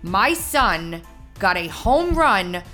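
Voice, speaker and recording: A woman hosting a podcast, her voice hoarse and scratchy, telling stories in a lively, animated way. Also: medium pitch, drawn-out words, faint music behind. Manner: animated storyteller. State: hoarse from screaming. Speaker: podcast host. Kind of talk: casual chat.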